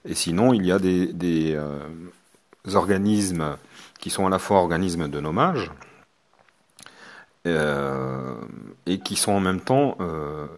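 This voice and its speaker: A man from France, a hypnotherapist teaching a course, talking hesitantly with many fillers and restarts. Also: extremely low pitch. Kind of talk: spoken lesson to students.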